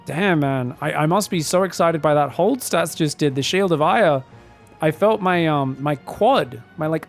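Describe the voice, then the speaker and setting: A man casting a strategy game on his own, excitable on big plays and analytical in replays, his voice phlegmy after being sick. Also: high-pitched. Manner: excitable, shouts on big plays, then breaks down mistakes. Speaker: esports caster. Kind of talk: solo game commentary.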